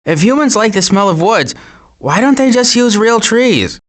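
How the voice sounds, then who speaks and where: Fretful, wry cartoon turtle. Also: male voice, high-pitched, moderate pace. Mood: grumbling, wary. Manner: wry, fretful, deadpan sarcasm with stammers. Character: cautious, anxious, grumbling adult male cartoon turtle. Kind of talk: animated video game character lines.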